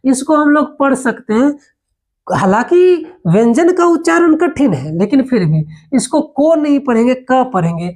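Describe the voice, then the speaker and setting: Woman, fairly high voice, grammar teacher, rhetorical questions, careful letter-by-letter recitation. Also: sing-song, normal speed, darkish tone. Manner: explains with rhetorical questions and homely examples. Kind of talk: spoken grammar lesson.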